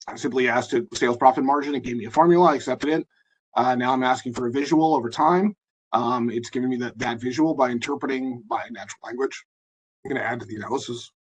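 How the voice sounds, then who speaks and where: A man with a hoarse, husky voice presenting a live software demo in a webinar, talking in a halting way with many fillers and restarts. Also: medium pitch, rough recording. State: hoarse, losing his voice.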